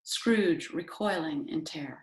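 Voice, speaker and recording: A woman's voice: deep voice, a little slow, a little mellow. A woman reading scripted stage directions as narrator. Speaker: narrator, library staff reader. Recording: roomy echo, faint noise, clicks.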